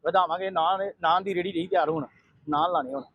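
A man's voice: sits high, big pitch swings, fast, gravelly, husky, dry recording, lo-fi sound. A man who runs a family food stall, speaking in an earnest, repetitive way in a casual interview. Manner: earnest, repeats himself.

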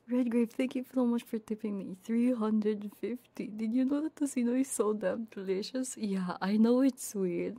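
Woman streamer, slow, soft and mellow. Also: a little high, dry recording. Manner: giggly, bantering. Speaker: livestreamer and ASMR host. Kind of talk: casual livestream chat with viewers; ASMR, often slipping into soft whispers.

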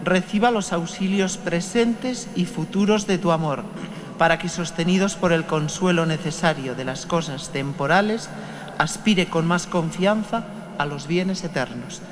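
Un sacerdote que predica y reza durante la misa en una catedral, sin prisa y con repeticiones al titubear, con eco de catedral. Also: male voice, fairly high pitch. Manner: unhurried, with frequent halting restarts. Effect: cathedral echo. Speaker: priest celebrating Mass. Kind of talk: homily and liturgical prayer. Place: cathedral. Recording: long cathedral reverb, faint background noise.

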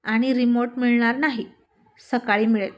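A woman's voice: a little high, steady tone, moderate pace, lo-fi sound, close to an everyday voice. A woman voicing a curt, irritable young husband. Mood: scolding. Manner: curt, scolding.

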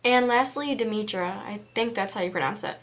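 A woman's voice: mid-range voice, fairly quick, fairly bright tone. A young woman, sounding tired, casually introducing an amateur voice audition. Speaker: amateur voice actor.

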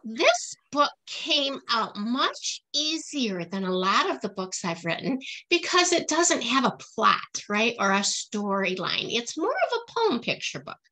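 A middle-aged woman talks casually as a guest author on a video call. Her voice sits slightly high and has a bright, forward tone. She explains herself in simple terms suited to young listeners. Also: very animated, a little slow, poor audio. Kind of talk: casual question-and-answer chat for children. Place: small indoor room at home. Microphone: computer mic on a video call.

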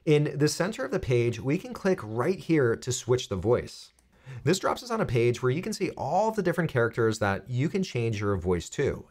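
An American man in his thirties giving clear, step-by-step instructional narration for a software tutorial. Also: on the low side. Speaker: tutorial presenter.

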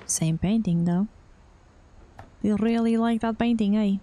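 Young woman, gaming commentary, unhurried, thinking aloud, casual murmurs. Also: medium pitch, mellow. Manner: slow, musing, reacts aloud with murmurs. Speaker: gaming streamer. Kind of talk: casual let's-play commentary.

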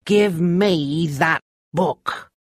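A narrator voicing a big, cold, falsely polite woman housekeeper in a storybook, deliberate and commanding. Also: mid-range voice, wildly swooping pitch, no echo, studio quality, voice pushed up, exaggerated voice. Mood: cold menace. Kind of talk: acted storybook dialogue.

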